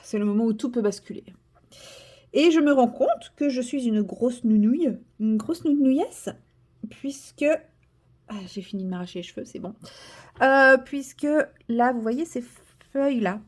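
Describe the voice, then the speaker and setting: A woman's voice: a little high, expressive, normal speed. Chatty French woman vlogging while coloring. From France. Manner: chatty, self-mocking, drifts into whispers. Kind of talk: casual vlog while coloring. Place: indoors at a desk. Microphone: camera on tripod.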